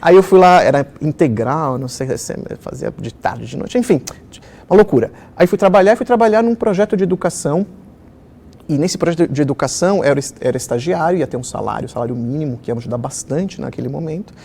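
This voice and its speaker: Animated middle-aged man telling stories. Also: on the high side, quick pace, gravelly, husky. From Israel. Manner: animated storyteller, many fillers. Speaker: children's author. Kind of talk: conversational interview storytelling.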